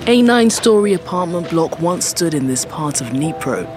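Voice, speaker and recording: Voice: medium pitch, sing-song, moderate pace, over music. A reporter narrating a broadcast news story in an urgent, formal way.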